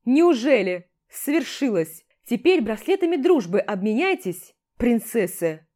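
A woman's voice: a little high, sing-song, unhurried. A woman reading an audiobook voices a furious, sarcastic male army commander who barks orders. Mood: yelling. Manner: barking orders, yelling.

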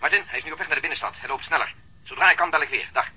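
An actor playing a keen police detective on a suspect's tail, reporting in urgent, clipped phrases in a Dutch radio drama. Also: male voice, on the high side, very fast, noisy background, close to an everyday voice. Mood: urgent, uneasy.

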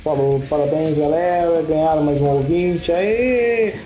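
A man's voice: on the high side, unhurried, warm tone. A young Brazilian man with a Brazilian Portuguese accent, co-hosting a podcast in casual, joking chat and swearing freely. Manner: jokey, swears freely, laughs a lot. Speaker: podcast co-host. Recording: roomy echoey home recording. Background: faint guitar music.

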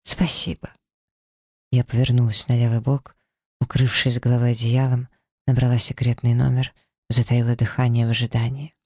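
A man reading a first-person story as an audiobook narrator, in an even, somber way. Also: medium pitch, a little fast, no echo, clean studio sound. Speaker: audiobook reader.

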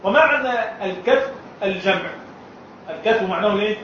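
A man's voice: sits high, fairly quick, fairly bright tone, slight background noise. A man teaching Islamic law to a class, often asking questions and answering them himself. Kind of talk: classroom lesson. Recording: echoey room, far from the mic, dull and muffled.

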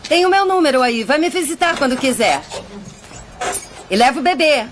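Film dub: generous, affectionate Brazilian woman, animated and unhurried, faint ambience noise. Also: high voice.

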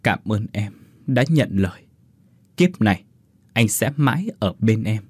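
A man voicing the tender ghost of a young man making a soft vow. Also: lowish voice, lively intonation, unhurried, slightly rough, no echo.

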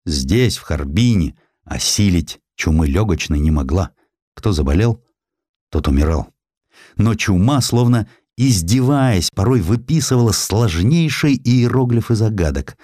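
A man giving a dramatic scripted audiobook narration, measured and grave, with deliberate pauses. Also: low voice, a little mellow, no room sound, studio quality.

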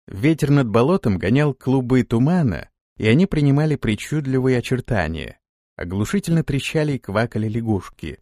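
Expressive male audiobook narrator. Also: medium pitch, no room sound, clean studio sound. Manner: expressive storytelling. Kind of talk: scripted narration.

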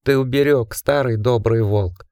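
A man's voice: mid-range voice, moderate pace, mellow, dry recording, studio quality, close to an everyday voice. A man voicing a twelve-year-old boy, pleading and raising his voice in grief.

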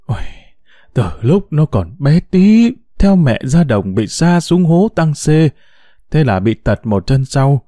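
A man's voice: fairly high pitch, big pitch swings, takes it slowly, mellow, no room sound, clean studio sound. A man voicing a tearful middle-aged village woman who pleads in a choked voice, in a storybook reading.

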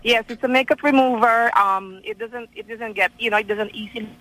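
Bright-voiced woman caller from Hong Kong. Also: fairly high pitch, very animated, poor audio. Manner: hesitant, halting with fillers. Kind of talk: phone-in chat.

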